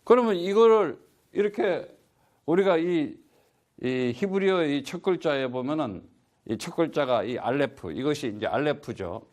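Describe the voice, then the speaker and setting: A middle-aged male missionary preaching a sermon, his pitch rising and falling in a lively sweep. He teaches in a rhetorical style, posing questions to the congregation and answering them himself. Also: moderate pace.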